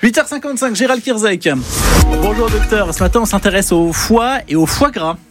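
A man's voice: high-pitched, moderate pace, faint music behind. A man hosting a local morning radio show, chatty and joking with his co-hosts. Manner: jokey, chatty. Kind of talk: casual radio chat.

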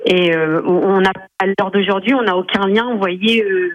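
A woman's voice: medium pitch, normal speed, slight background noise. A woman in her forties calling a radio show, telling her story with many hesitations over a phone line. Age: 40s. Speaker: caller. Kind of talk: personal testimony on radio.

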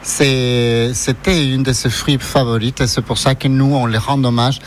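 A man's voice: medium pitch, steady tone, a little slow, a little hiss or hum. A middle-aged man from Ecuador, Spanish his first language, speaking French with an accent, talking earnestly about his ice cream shop in a radio interview.

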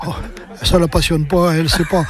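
Hesitant older man, slightly high voice. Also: level tone, crowd noise. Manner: hesitant, halting, many fillers. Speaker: postcard collector, stallholder. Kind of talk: casual interview answers. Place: flea market stall outdoors.

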